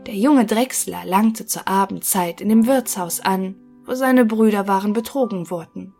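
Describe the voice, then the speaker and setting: A woman narrating a fairy tale audiobook in a measured storytelling manner. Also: medium pitch, creaky, faint music behind. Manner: measured storytelling, quiet asides.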